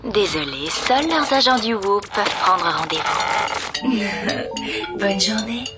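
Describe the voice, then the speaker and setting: A woman voicing a stern female security computer in a cartoon dub, refusing entry with curt, flat replies. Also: mid-range voice, slow pace, over loud music. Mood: stern refusal.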